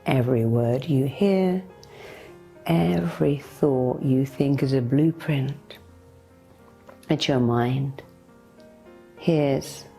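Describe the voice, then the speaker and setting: A woman leading a guided meditation in a soothing, deliberate way, speaking directly to the listener as a hypnotherapist would. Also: very deep voice, dark tone. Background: meditation music.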